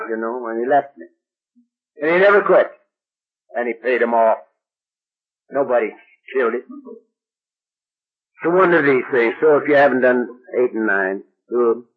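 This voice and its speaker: A man's voice: mid-range voice, normal speed, breathy edge, phone-quality sound. An older man telling a recovery story to a meeting in a folksy, plain-spoken way, acting out the talk of the people in it.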